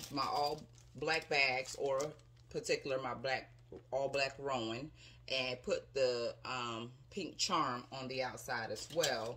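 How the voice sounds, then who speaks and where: Over light background noise, a woman speaks at a very slow pace. Her very deep, low voice has a bright, sharp tone. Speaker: YouTuber reviewing handbags. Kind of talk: casual unboxing vlog. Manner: soft-spoken. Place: home room. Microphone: phone near.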